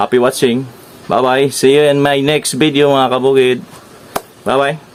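A man in a Visayan accent speaks at a fairly slow pace and medium pitch, with fairly even intonation and very even loudness. Long, frequent pauses break his speech over noticeable background noise. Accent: Visayan-accented Tagalog. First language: Cebuano (Bisaya) (speaking Tagalog). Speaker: YouTuber, small-scale farmer. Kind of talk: casual vlog tutorial.

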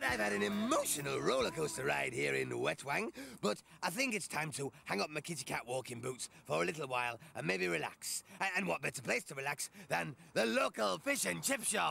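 In a gruff, put-on character voice with a playful tone, the speaker moves at a moderate pace with hardly any pauses. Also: man, medium pitch for a man. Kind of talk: comedic travel narration for children's TV. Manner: playful, exaggerated.

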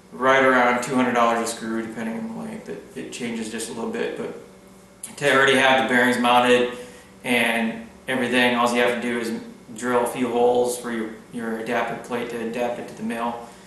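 Audible room echo surrounds the speech, with light background noise too. The intonation stays monotone and flat. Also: man, moderate pace. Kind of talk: casual vlog chat. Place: workshop. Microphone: camera far.

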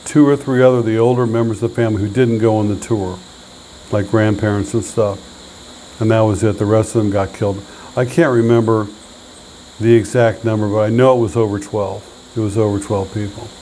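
Over light background noise, a man speaks at a fairly low pitch with fairly even intonation. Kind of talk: storytelling vlog. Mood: somber, then indignant. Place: home room. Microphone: lapel.

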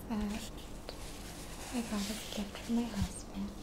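A soft-spoken woman with a gentle tone talks in a flat, monotone intonation over noticeable background noise. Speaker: relaxation video host. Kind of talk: gentle ASMR-style ramble. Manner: soft-spoken, gentle close voice. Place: home room. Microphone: phone near.

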